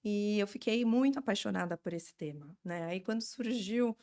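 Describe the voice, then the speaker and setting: A woman's voice: mid-range voice, normal speed, darkish tone. A woman in her forties with a Brazilian Portuguese accent, explaining things informally as an interview guest. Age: 40s. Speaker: interview guest, education NGO representative.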